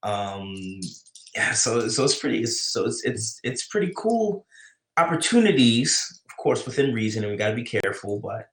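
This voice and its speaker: A man with a New York accent chats casually on his live writing stream, answering chat and rambling with many restarts. His mid-range voice is sing-song, a bit bright, and moderately paced, and the room sounds echoey.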